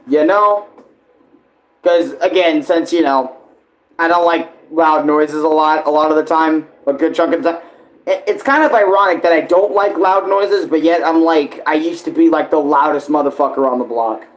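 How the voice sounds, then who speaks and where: Male reaction host, slightly higher pitch, rambling, slangy, profane, casual commentary. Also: fairly even intonation, moderate pace, rough recording.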